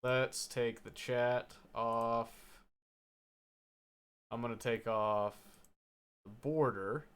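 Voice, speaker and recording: A young man streaming a visual novel, reading the text aloud and joking about it in an animated way. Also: medium pitch, extremely slow, clean tone. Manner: animated, jokey, reads game text aloud. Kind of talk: game playthrough, reading aloud and commenting. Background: faint piano game music.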